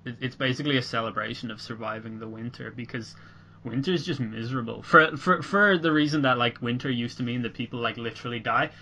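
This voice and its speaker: A young man talking on a casual podcast, his voice bright and a little forceful. He rambles through his points with lots of fillers and restarts. His jokes run dark and dry. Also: medium pitch, a little hiss or hum. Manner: rambling, halting, dark humor. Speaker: podcast host. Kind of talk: casual chat.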